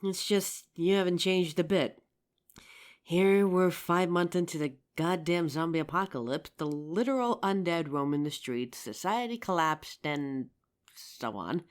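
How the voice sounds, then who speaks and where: A woman playing an injured young survivor of a zombie apocalypse in a roleplay audio drama, with halting, emotive delivery. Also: lowish voice, expressive. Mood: relieved, fond.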